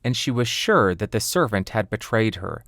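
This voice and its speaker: A man's voice: fairly low pitch, big pitch swings, normal speed, a bit bright, no echo, studio quality. A man reading a scripted fairy tale as an audiobook narrator.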